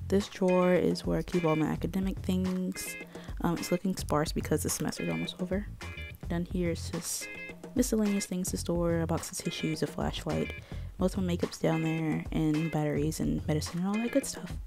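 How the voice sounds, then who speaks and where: A woman speaks fairly quickly. Music is playing behind her. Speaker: college student. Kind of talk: casual vlog voiceover.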